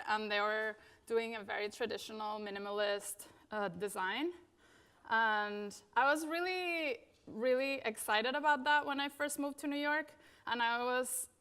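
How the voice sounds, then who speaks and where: A woman's voice: on the high side, fairly bright tone, clear, resonant tone. A woman in her thirties from Venezuela giving a casual conference talk about her design career, with many fillers. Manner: casual, many fillers, frequent "you know" and "like".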